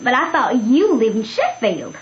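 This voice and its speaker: A woman's voice: a little high, very animated, moderate pace. An actress playing a trusting, spirited country girl in an old radio drama, insistent and questioning. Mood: curious, insistent. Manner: bright-eyed, insistent, questioning. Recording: muffled, echoey, hissy old radio recording.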